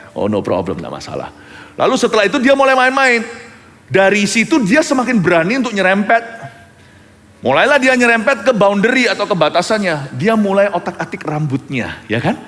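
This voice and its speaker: A male pastor delivering a lively sermon, swinging between loud bursts and hushed low lines. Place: large church hall. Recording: church hall with long reverb.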